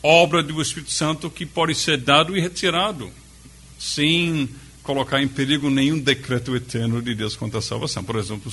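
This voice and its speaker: A man preaching in a study room with a noticeable foreign accent. He teaches in a relaxed way, with restarts and questions to his listeners, at an ordinary pitch. A faint hiss sits behind the voice. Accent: foreign accent in Portuguese. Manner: conversational, pauses and restarts, asks the audience questions. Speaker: pastor.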